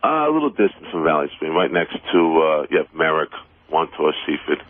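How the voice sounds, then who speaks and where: A man's voice: rumbling low, sing-song, fairly quick, no room sound. A man calling in to a radio show for a casual chat over the telephone. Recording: thin, dry telephone line.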